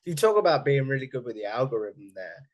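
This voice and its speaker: A man's voice: medium pitch, big pitch swings, quick pace. Guy hosting an interview, picks his words carefully, mid-range voice. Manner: careful, rephrases his questions. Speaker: podcast host. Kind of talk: interview questions.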